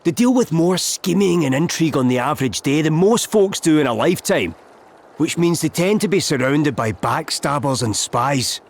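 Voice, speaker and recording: An actor with a Scottish accent playing a breezy, boastful noble-born traveller in a video game, chummy and bluff. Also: male voice, a little high, lively intonation, normal speed. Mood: confiding.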